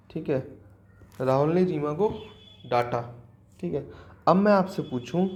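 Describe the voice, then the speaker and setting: A man's voice: a little high, darkish tone, highs cut off. Indian man teaching, quizzing his class. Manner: asks the class questions and answers them himself; repeats key words, mixes English into Hindi. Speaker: English teacher. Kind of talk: classroom lecture.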